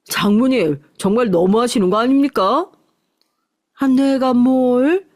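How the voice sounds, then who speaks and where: A woman's voice: on the high side, measured pace, a little mellow, voice pushed up, close to an everyday voice. A woman voicing a frustrated young husband who pleads with his mother-in-law in a radio story reading. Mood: exasperated. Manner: exasperated, pleading.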